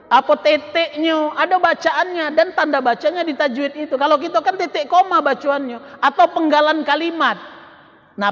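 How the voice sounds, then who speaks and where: A man giving a Quran study lecture as a religious teacher, slowly drawing out recited Arabic phrases and repeating his explanations. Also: very high-pitched, fairly bright tone. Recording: echoey hall, dull lo-fi sound.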